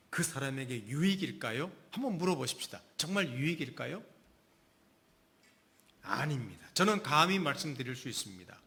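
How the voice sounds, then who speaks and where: Middle-aged guy preaching, lively up and down voice, keeps asking the church questions. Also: a little high. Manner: emphatic preaching with rhetorical questions to the congregation. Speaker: pastor. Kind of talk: sermon.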